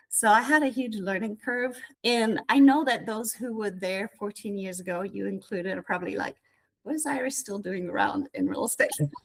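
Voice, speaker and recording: A woman's fairly high-pitched voice with vocal fry, ordinary pitch variation and a fairly quick pace. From Switzerland. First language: not English. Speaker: real estate agent and author. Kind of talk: interview podcast.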